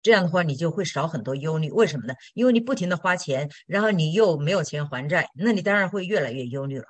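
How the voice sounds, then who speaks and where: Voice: medium pitch, lively intonation, fast talker, no echo. A Christian teacher answering listener questions in a sermon-style talk, direct and blunt, with frequent tag questions.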